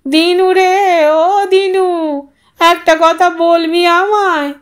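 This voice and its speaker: A woman voicing a grieving old village woman who speaks in a slow, drawn-out, plaintive way. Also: very high-pitched, fairly even intonation, pitched above the performer's own voice, exaggerated voice. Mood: plaintive, calling.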